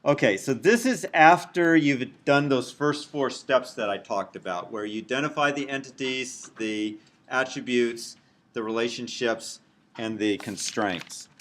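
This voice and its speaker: Slow, big-voiced male lecturer. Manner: loud booming voice, slow and deliberate. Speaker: university lecturer. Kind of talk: recorded lecture over a drawing tablet. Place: at a computer, screen recording.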